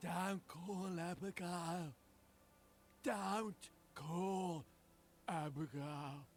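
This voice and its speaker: Whispering in a put-on character voice at a very slow pace, the speaker leaves long, frequent pauses amid clear background noise. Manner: whispering, conspiratorial.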